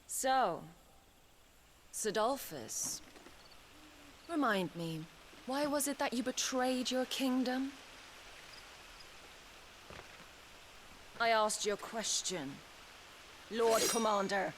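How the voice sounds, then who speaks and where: A woman's voice: fairly high pitch, animated, a little hiss or hum. A woman playing a haughty, mocking military commander, a cruel and seductive game villain who draws out her taunts. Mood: cold, taunting. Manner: taunting, drawn-out delivery. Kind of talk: video game cutscene acting.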